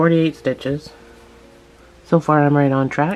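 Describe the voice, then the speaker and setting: Music sounds in the background. A man talks at a moderate pace with a fairly high pitch. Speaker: crochet tutorial maker. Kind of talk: tutorial.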